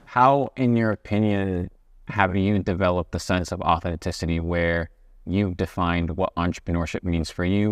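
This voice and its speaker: A man hosts a casual interview and asks long, probing questions. His voice sits very low, and the recording is dry with no room sound. He often stops and restarts his phrasing mid-question. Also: no room sound. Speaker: interview host.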